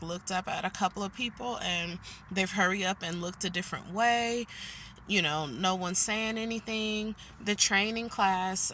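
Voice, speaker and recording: Brief: forties woman vlogging from her car, ringing bright tone, chatty and fed-up. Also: medium pitch, slight background noise. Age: 40s. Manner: chatty venting, keeps addressing viewers as "guys". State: annoyed. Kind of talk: casual vlog chat. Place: inside a parked car.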